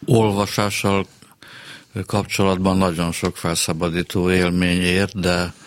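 Male writer guest, deep flat voice, halting, drifts quieter at sentence ends. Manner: hesitant, many pauses and fillers, trailing off softly. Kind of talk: radio interview. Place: radio studio.

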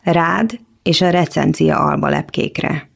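A woman reading the part of a slightly mad male doctor who speaks slowly and softly coaxes. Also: low-pitched, creaky, breathy edge, exaggerated voice. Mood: soothing.

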